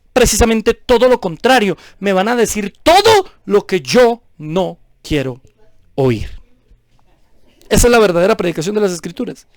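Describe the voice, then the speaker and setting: A man's voice: high-pitched, dry recording, studio quality. Emphatic man preaching. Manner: rhetorical questions, emphatic. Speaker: pastor. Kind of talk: sermon.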